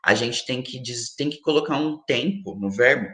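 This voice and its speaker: A man's voice: medium pitch, normal speed, sharp tone. Brazilian man explaining, roomy echo. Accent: Brazilian Portuguese. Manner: patient, explains with many examples, frequent tag questions. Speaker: linguistics professor, interview guest. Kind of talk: explanatory academic interview answer.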